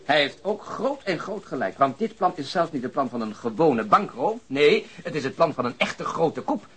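Husky, wry male detective. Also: a little high, sing-song, normal speed, fairly bright tone, exaggerated voice. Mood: wry, insistent. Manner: wry, rhetorical emphasis. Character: amused, eloquent male detective, relishing his words. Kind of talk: Dutch radio drama acting.

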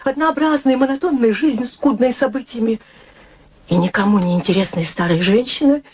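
Female actor as devoted, ironic unmarried daughter, fairly high voice, composed radio drama delivery. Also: normal speed, darkish tone, a little hiss or hum, close to an everyday voice. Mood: wistful, earnest. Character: proud, wry unmarried daughter devoted to her elderly mother. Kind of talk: radio play acting.

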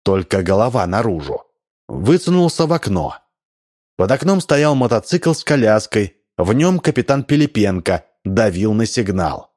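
A man narrating a story aloud in a lively, expressive reading. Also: fairly low pitch, moderate pace. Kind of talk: audiobook reading.

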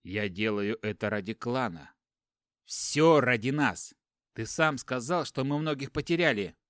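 Man playing a cold steady warrior brother, clipped and firm, dry sound. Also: mid-range voice, moderate pace, no room sound, lightly acted. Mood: impassioned.

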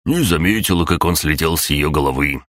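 A man voicing a hot-tempered gray hunched male spirit creature who yells and wails, in a storybook reading. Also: extremely low pitch, fairly quick, no echo, clean studio sound. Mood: mournful. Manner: yelling, wailing.

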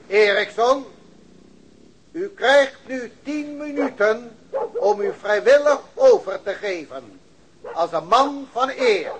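An actor playing a stern, pompous, middle-aged police chief commissioner in a radio drama, speaking formally and with authority. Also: male voice, very high-pitched, slight background noise, full character voice, low-quality recording.

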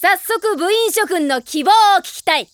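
A woman's voice: extremely high pitch, animated, moderate pace, fairly bright tone, no echo. A woman playing a brash, bossy, tomboyish schoolgirl club leader with a mock-pompous manner in an anime audio drama. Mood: pompous, cheerful.

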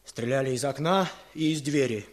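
An actor playing a stern village man who refuses, then softens and consoles, in an archival radio drama. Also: mid-range voice, normal speed, natural voice. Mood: firm. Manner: curt, gruffly consoling. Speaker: Kuzma. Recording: noisy old radio recording.

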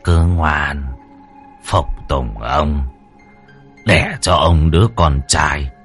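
A man voicing a domineering, lecherous old landlord who speaks slowly in a low, coaxing voice. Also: expressive, a bit bright, faint music behind, heavily acted. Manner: slow, coaxing, gloating, low.

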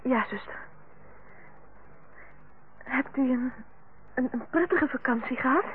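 A meek young nurse in a radio drama. She speaks politely in a high voice, on a tinny old recording with faint noise. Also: slow pace. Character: young nurse, chatty with colleagues, meek to superior. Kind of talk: Dutch radio play acting.

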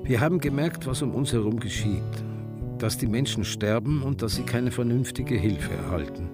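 A man's voice: mid-range voice, normal speed, natural voice. An actor playing an ageing, defiant gay activist who tells of his grief with a Viennese accent, in a radio drama. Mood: proud, defiant. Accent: Viennese Austrian. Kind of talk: radio drama monologue and dialogue. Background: music.

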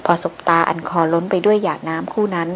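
A woman narrating an adventure novel in a steady, even reading voice. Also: on the low side, fast, slight background noise, low-quality recording. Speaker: audiobook narrator.

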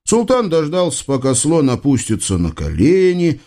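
A man narrating an audiobook in an expressive, ironic, conversational way. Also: on the high side, moderate pace.

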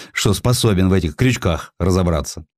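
A man's voice: sits low, expressive, normal speed, darkish tone, no echo, studio quality. A man voicing a boisterous, affectionate student friend in an audiobook, scolding in jovial mockery. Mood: jovial teasing.

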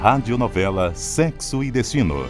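A man's voice: mid-range voice, very animated, normal speed. A man with a Brazilian accent reading a scripted credits announcement as a radio announcer. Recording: prominent music under the voice.

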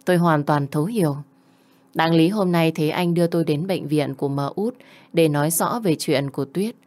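A woman in her twenties tells a first-person family story with tender emotion. Her voice is slightly low and her delivery is heartfelt, in the manner of an audiobook narration. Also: a little mellow. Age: 20s.

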